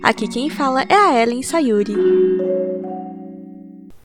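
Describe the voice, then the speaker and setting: A woman's voice: high-pitched, animated, slow pace, loud music behind the voice. A woman hosting a podcast, opening the episode and asking her guest short, friendly questions. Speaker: podcast host. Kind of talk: podcast interview.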